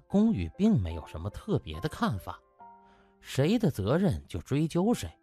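A man's voice: mid-range voice, warm tone, husky. A man narrating a novel as an audiobook in a dramatic storytelling style.

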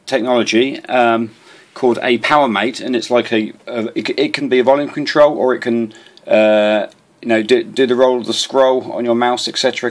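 A man talks through a casual hobbyist demo in an ordinary mid-pitched voice. He rambles hesitantly and repeats words as he goes. It sounds like an unscripted video made at a desk with a handheld camera. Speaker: video host, amateur radio hobbyist. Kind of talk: casual off-the-cuff product demonstration. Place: small indoor room at a desk. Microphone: handheld camera or phone.

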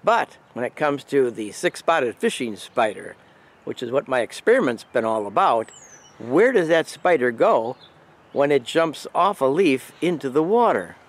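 A man in his sixties from Michigan, chatting in a relaxed, gentle way with pauses and fillers as he vlogs outdoors. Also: medium pitch. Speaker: nature vlogger. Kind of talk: casual outdoor vlog narration. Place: outdoors in a park, later indoors at home.

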